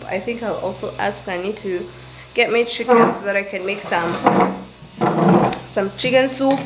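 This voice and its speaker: A woman's voice: medium pitch, low-quality recording. Woman, young adult, casual vlog chat, rambling, thinking aloud. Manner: rambling, thinking out loud, repeats herself. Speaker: vlogger. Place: at home, indoors.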